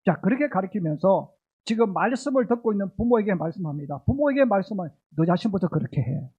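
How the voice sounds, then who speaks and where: A man's voice: high-pitched, husky, narrow, tinny audio. A middle-aged male pastor preaching a sermon emphatically, with repeated rhetorical questions to the congregation. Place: church sanctuary.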